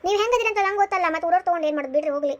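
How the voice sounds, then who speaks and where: A woman's voice: very high-pitched, animated, racing. Woman voicing a meek pleading young wife. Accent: North Karnataka Kannada. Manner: soft, pleading, placating. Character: meek young wife trying to calm her husband.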